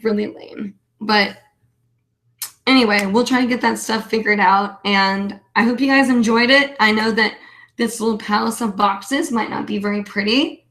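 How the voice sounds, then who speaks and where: On her weekly hobby livestream, the host rambles along casually and pokes fun at herself. She speaks in a mid-range voice with a slightly bright quality.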